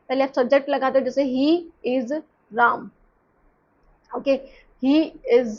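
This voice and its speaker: High-voiced woman teaching, lo-fi. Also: darkish tone. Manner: explanatory, repeats and rephrases points, asks questions to the viewer. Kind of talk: online lecture explaining in mixed Hindi and English. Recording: slightly dull lo-fi sound.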